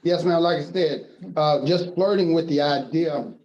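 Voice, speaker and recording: Male meeting chair, mellow, slightly high voice, casual procedural talk, muffled lo-fi audio. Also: unhurried. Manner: conversational, procedural, some restarts. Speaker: council chair.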